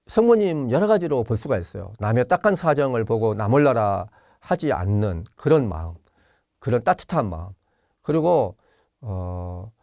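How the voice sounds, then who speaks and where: A man, a Jesuit priest, giving an online spiritual lecture with gentle, unhurried teaching and frequent pauses and fillers. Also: medium pitch, no room sound, studio quality. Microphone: video call.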